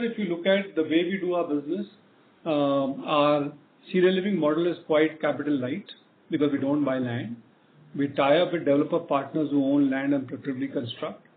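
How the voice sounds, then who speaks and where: A narrow, faintly noisy phone line carries a fairly high-voiced man with an Indian accent. He speaks as an executive on a conference call, explaining off the cuff and punctuating points with "right" and "you know". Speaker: company executive answering investor questions.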